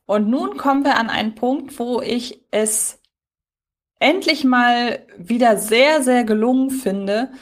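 A woman's voice: fairly high pitch, takes it slowly. A woman co-hosting a podcast, chatting casually in a reflective, wordy way as she thinks aloud. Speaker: podcast co-host. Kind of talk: casual unscripted review chat.

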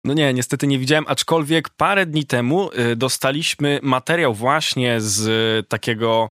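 A man of medium pitch recounts a reporting trip as an interview guest. He talks in a lively, casual way with many fillers. The recording is dry and close, with almost no room sound. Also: moderate pace, no echo.

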